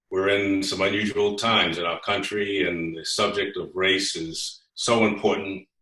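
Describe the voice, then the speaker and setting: A man's fairly low, bright, sharp voice in a Boston accent, with fairly even intonation and hardly any pauses. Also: moderate pace. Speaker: retired federal agent. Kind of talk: casual conversation. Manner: hesitant, with fillers.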